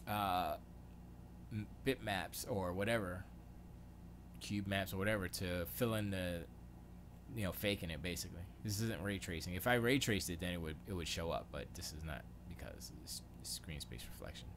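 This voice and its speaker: Low-voiced man muttering while tinkering. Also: moderate pace, a bit bright, a little hiss or hum. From Florida, USA. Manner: muttering to himself while tinkering, self-questioning, trailing off. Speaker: livestream host. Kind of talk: casual thinking-aloud livestream chat. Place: home studio.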